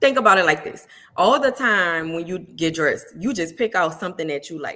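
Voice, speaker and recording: A bright, sharp tone with a New Orleans accent, lively intonation, big swings in loudness and a fairly quick pace, in a very clean recording with a silent background. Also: woman, medium pitch for a woman. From New Orleans, Louisiana. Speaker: public speaker, entrepreneur. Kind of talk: interview conversation.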